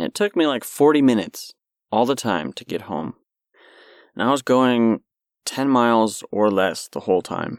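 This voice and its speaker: A calm man of medium pitch speaks at a moderate pace with lively intonation and long, frequent pauses, sounding dry and close with no echo on a very clean recording with a silent background. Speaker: solo podcaster. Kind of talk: personal vocal diary monologue. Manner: rambling, loose casual delivery; calm, sleepy tone.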